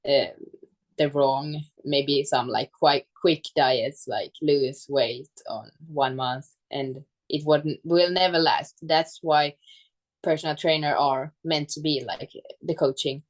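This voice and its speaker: A fitness coach from Finland, a native Swedish speaker with a Finland-Swedish accent, chats casually as an interview guest and searches for words in English. Her deep voice is slow and steady in tone.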